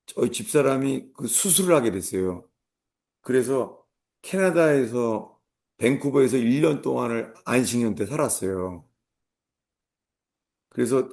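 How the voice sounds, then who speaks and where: A middle-aged pastor preaching at a mid pitch, his voice rough and gravelly. He tells a personal story with comic asides and now and then bursts out with mock commands. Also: darkish tone. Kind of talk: sermon.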